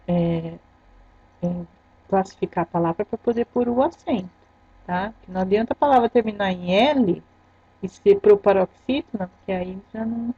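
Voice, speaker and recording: A Brazilian woman teacher talks through a grammar lesson, patient and step by step. Her voice is mellow and a little husky. The recording is dull and lo-fi. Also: medium pitch, no echo. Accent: Brazilian Portuguese. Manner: patient, explains step by step, ends phrases with "tá?". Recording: dull lo-fi sound.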